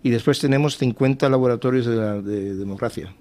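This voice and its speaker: Cuban-born guy on a radio panel, mid-pitched voice, keeps searching for the right word. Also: brisk, mellow. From Cuba. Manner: searches for words, laughs easily. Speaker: think-tank guest. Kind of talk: casual radio panel talk.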